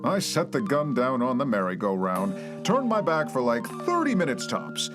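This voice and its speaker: A man's voice: medium pitch, sing-song, normal speed, natural voice. A man playing an oblivious, nonchalant rambler in a comedy podcast. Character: hapless, oblivious, rambling deadpan comic man. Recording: loud music behind voice.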